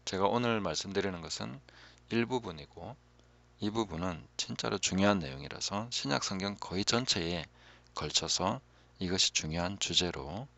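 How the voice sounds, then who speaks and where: A man, a pastor, giving a calm, reflective Bible teaching talk that often drops to a hushed voice. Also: sits low, moderate pace, creaky.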